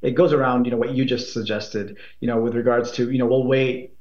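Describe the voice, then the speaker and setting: A man being interviewed as a tech executive, speaking in halting phrases with many repeats and fillers. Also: medium pitch, little pitch movement, a little mellow. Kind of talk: interview answers. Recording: roomy, dull remote line.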